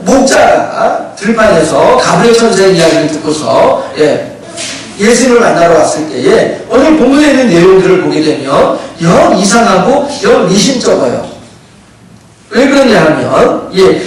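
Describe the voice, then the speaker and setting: A male pastor preaches in a high voice with wide swings in pitch. He talks conversationally and asks the congregation questions. The sound is very echoey, taken from far off in a church. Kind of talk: sermon. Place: church sanctuary. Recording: echoey church hall, distant mic.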